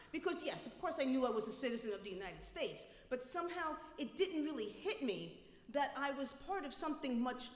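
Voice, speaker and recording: A woman from New City, telling a comic personal story live, wry and animated. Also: high voice. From New York City. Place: live venue, reverberant room. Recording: echoey hall reverb.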